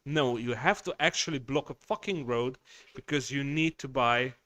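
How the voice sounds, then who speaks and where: A man's voice: mid-range voice, moderate pace, pushed and bright, dry recording. A man hosting a casual livestream, chatting with viewers, reading their messages and swearing bluntly as he rambles. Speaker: livestream host.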